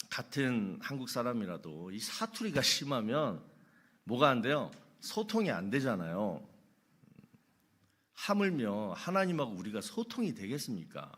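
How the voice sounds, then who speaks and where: A man's voice: mid-range voice, fairly bright tone, breathy edge. A middle-aged male pastor preaching a sermon, asking rhetorical questions and telling humorous anecdotes.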